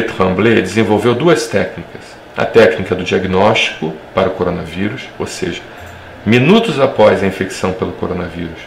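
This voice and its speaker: A gravelly, fairly low-voiced man, a doctor delivering an emphatic commentary to camera. He hammers his points home and repeats them in long lists. The room is echoey and has a faint background hiss. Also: fairly bright tone. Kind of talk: impassioned video commentary.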